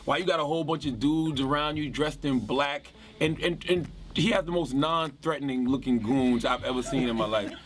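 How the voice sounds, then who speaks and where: A man casually giving his frank opinion, mocking in a relaxed conversational way. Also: mid-range voice, normal speed, hardly any pauses.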